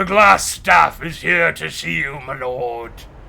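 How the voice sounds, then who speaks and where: A man puts on a raspy character voice with very wide pitch swings around a medium pitch. He talks at a fairly slow pace over light background noise. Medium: actual play. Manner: commanding toward underlings, deferential to superiors.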